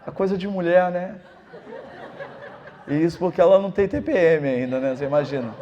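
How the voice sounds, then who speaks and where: Pastor guy preaching, high voice, gets fired up. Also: a little fast, muffled recording, a faint crowd. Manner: animated storytelling, rising to passionate preaching. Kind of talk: sermon with personal story.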